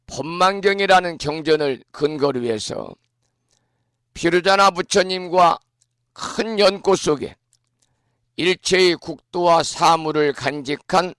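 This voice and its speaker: A man, a Buddhist monk, giving a morning talk on scripture in a hoarse voice from a lingering cold, speaking slowly and clearing his throat often. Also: on the high side, a bit bright, no room sound, studio quality. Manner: slow, measured teaching delivery. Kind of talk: dharma talk explaining scripture.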